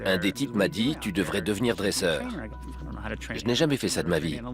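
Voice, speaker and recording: A man who was a marine park trainer, telling a lively, amused story in a dubbed documentary interview. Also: deep voice, a little fast, over loud music.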